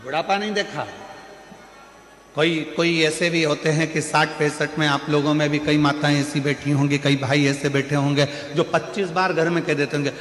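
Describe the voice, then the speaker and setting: A man's voice: fairly high pitch, fairly even intonation, normal speed, fairly bright tone. A man preaching a devotional sermon, telling a story with emphatic repetition. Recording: echoey hall reverb.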